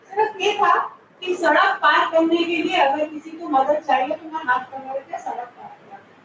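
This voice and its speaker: A woman with an extremely high pitch speaks at a fairly slow pace, showing ordinary pitch variation and big swings in loudness. Noticeable background noise runs under her voice. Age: 70s. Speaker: guest speaker, teacher. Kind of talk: talk to students. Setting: college auditorium with audience. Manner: conversational, code-switching Hindi and English.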